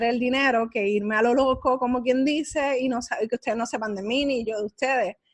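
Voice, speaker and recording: Speaking in a Puerto Rican accent, a woman talks at a fairly quick pace with a high pitch and fairly even intonation. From Puerto Rico. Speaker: personal finance mentor and podcaster. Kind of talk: interview.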